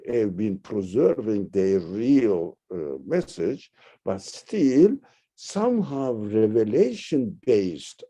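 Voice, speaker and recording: A man from Turkey, teaching religion in a discussion, halting and searching for words, then rising sharply to stress key points. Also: on the low side, warm tone. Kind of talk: lecture-style discussion.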